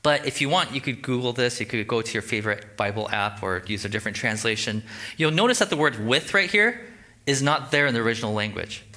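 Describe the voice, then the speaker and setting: Male pastor, bright forceful tone, casual animated sermon delivery. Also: mid-range voice, quick pace. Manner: conversational, animated, acts out quoted voices. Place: church sanctuary.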